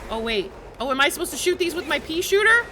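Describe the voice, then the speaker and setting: A woman doing casual live gameplay commentary, playful, excitable and quick to react. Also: high voice, background noise. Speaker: game streamer. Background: game music.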